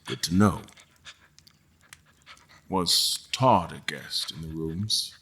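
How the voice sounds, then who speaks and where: An actor playing a frustrated, wry mortal guest in an audio drama, choosing words in a deliberate, formal, dry manner. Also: male voice, rumbling low, pushed and bright, slight background noise, full character voice. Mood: careful, probing. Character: mortal male guest, frustrated, wry, carefully probing captors. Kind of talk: audio drama acting with first-person narration.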